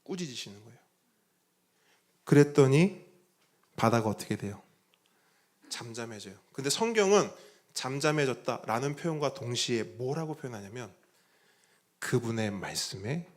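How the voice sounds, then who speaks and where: A man preaching a sermon as pastor. He asks the congregation rhetorical questions and moves between soft, low phrases and loud, emphatic ones.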